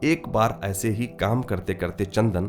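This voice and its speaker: Over background music, a man talks in a fairly low register. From India. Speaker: poet and storyteller. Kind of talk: audio short story narration.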